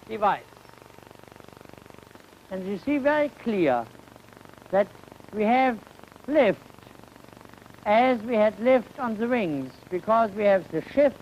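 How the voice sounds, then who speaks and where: A man explains a science demonstration at a slow, careful pace. He phrases things haltingly, like a lecturer thinking aloud. The sound is a noisy old 1950 educational film soundtrack. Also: sits high, dull audio. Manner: halting, deliberate phrasing with rhetorical questions.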